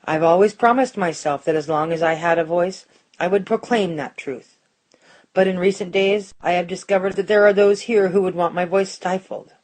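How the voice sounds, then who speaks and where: A woman's voice: lowish voice, darkish tone, natural voice. A woman playing a principled, defiant news reporter delivering an earnest, formal on-air editorial in an audio drama. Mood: earnest resolve. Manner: earnest, measured, rhetorical.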